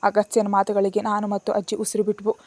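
Storyteller: woman, emotive first-person narration, warm mellow timbre. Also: mid-range voice, monotone, brisk, dry recording.

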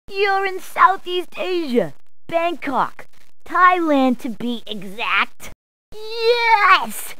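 A brash video game policewoman. Her voice is very high and swoops widely as she gives directions. The delivery is playful, punning and emphatic, in a dry, close recording. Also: sharp tone, dry recording, exaggerated voice. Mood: brash, helpful. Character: brash, jokey New York policewoman giving directions. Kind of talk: scripted video game character clips.

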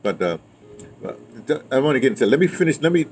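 A man's voice: mid-range voice, very animated, fast talker, a little mellow. A man in his seventies reminiscing in casual conversation, repeating phrases as he tells his stories. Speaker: interviewee, audio drama veteran. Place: outdoors, patio or yard of a building. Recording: clearly noisy outdoor ambience.

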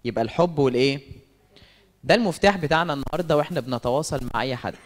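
A man with an Egyptian accent giving a lively church talk, asking the audience questions and answering them himself. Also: fairly high pitch, rapid-fire. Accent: Egyptian Arabic. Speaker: speaker at a church service meeting. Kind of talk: lively sermon-style talk with stories. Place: church hall. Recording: long reverb of a church hall.

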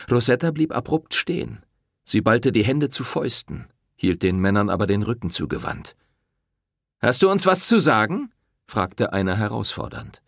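A man reading an audiobook with expressive, animated narration. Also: on the low side, creaky, no room sound, studio quality.

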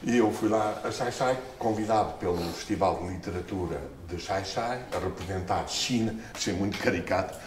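Middle-aged man, European Portuguese accent, animated storyteller with big jumps in pitch; low voice, camera mic far off in an echoey room. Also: moderate pace, few pauses, background noise. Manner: expressive, gestures and laughs often, jumps in pitch when excited. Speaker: book author. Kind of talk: animated storytelling at a book launch. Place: small stone-walled room, indoors.

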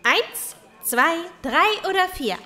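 A woman playing an officious little storybook creature who runs a council meeting in a children's audio drama, announcing things deliberately. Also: very high voice, lively intonation, bright, forceful tone, full character voice. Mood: official.

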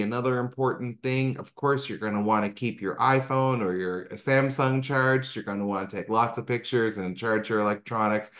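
A middle-aged man from Canada, a travel advisor giving an upbeat, conversational slideshow talk over a video call. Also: lowish voice. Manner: upbeat, conversational, frequent ums and asides. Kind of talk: informal slideshow presentation. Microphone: video call microphone.

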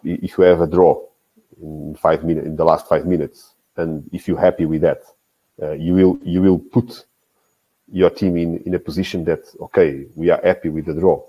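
A man in his forties, a guest football coach, talking in a casual interview over a video call. His speech is halting, full of restarts and repeated words. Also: low voice, little pitch movement, husky, lo-fi sound. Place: small indoor room. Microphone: video call, earphones with mic.

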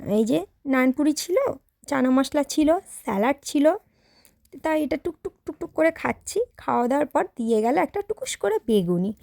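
High-voiced chatty woman vlogger. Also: lively intonation, normal speed, gravelly, a little mellow, no room sound. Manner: chatty, addresses viewers directly. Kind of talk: casual vlog narration.

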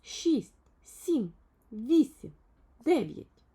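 A woman voicing a pompous, blunt little man in a children's fairy tale, loud and exclamatory. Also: high voice, very animated, extremely slow, breathy edge, pitched above the performer's own voice, heavily acted. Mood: counting intently. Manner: loud, exclamatory, self-important.

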